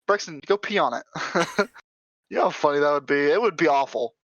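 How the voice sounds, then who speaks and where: A man's voice: a little high, expressive, normal speed, fairly bright tone, no echo, lo-fi sound. A man co-hosting a podcast, chatting casually in an easygoing way and laughing often. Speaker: podcast co-host. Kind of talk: casual chat.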